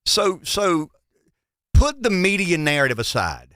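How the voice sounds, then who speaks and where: A man's voice: sits high, sing-song, a little slow, a bit bright, dry recording. A man with a Southern US accent hosting a conversational interview in a folksy way, often repeating words as he builds a question. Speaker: show host, interviewer.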